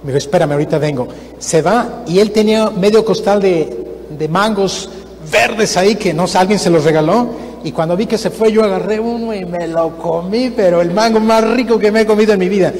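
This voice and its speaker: A man, a guest missionary, preaching a sermon and telling a story with lively acted-out voices in a church. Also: sits high, brisk. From Mexico. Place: church sanctuary. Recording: reverberant church hall, faint noise.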